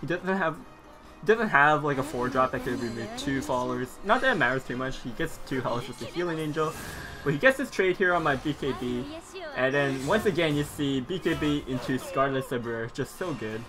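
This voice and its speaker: A fairly high-pitched man at a fairly quick pace, with ordinary pitch variation and music in the background. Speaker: gaming YouTuber, card game commentator. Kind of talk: gameplay commentary over replay. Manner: fast.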